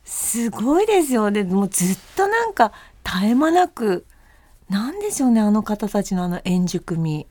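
A woman's voice: medium pitch, very animated, normal speed, warm tone, no echo. A woman chatting casually in conversation. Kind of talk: casual chat.

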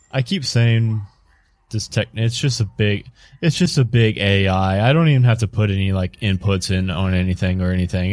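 A man playing a rambling mission handler who dodges questions, starting sentences over and over. His voice sits fairly low and sounds dry and close, with no room around it. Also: dry recording, natural voice. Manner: rambling and hesitant, many restarts.

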